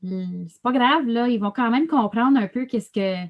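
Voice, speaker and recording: A woman's voice: on the high side, normal speed, muffled recording. A woman who works in child care, speaking in casual conversation with hesitant, repeated starts. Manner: hesitant, stumbling repetitions, then emphatic.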